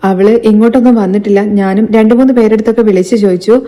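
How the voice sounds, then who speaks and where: A woman's voice: medium pitch, steady tone, very fast, mellow, lightly acted. A woman reading an anxious middle-aged mother's lines in her own voice, retelling a TV serial. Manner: anxious, pleading.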